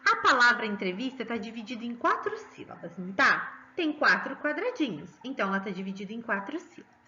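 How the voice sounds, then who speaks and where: A woman's voice: on the high side, very animated, fast, pushed and bright, muffled recording, slight background noise. A woman with a Brazilian Portuguese accent teaching a children's lesson, sing-song and coaxing, drawing out stressed syllables.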